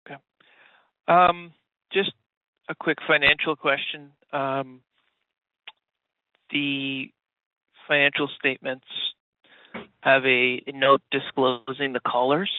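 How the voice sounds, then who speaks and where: Analyst guy asking questions on an earnings call, average pitch, dry phone sound. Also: little pitch movement, slow pace, long pauses, no echo. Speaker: financial analyst caller. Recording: dry narrowband phone line.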